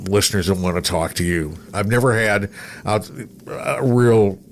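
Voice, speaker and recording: A middle-aged American man hosting a casual chat show, rambling through anecdotes with hesitant pauses. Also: on the low side, a little hiss or hum. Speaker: podcast host, radio veteran.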